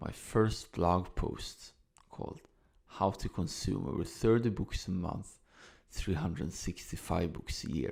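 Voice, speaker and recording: Speaking at a fairly slow pace, a man uses lively intonation and vocal fry. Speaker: podcaster and blogger. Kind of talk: casual talk to camera.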